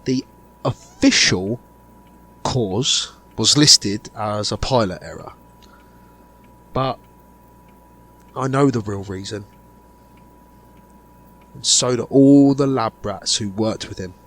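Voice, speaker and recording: A man playing a grave insider revealing a sinister conspiracy in an amateur audio drama, speaking deliberately with dramatic pauses. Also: fairly low pitch, a bit bright. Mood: ominous, dramatic.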